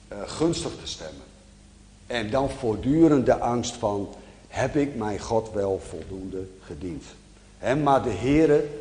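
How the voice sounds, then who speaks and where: A man preaching a sermon, explaining a Bible passage in a measured, teaching manner. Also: on the low side, mellow. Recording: echoey hall with long reverb.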